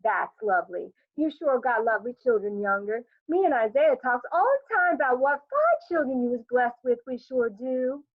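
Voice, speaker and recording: A woman voicing a squeaky, effusive neighbor woman who gossips in a folksy dialect and plays up every bit of news with melodrama. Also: very animated, normal speed, few pauses, no echo. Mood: gushing. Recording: dry, tinny phone-like sound.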